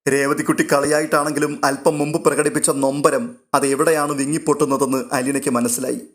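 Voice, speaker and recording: A male narrator reads a novel aloud with a steady, literary delivery. His voice sits a little higher than most men's. The telling is even and unhurried.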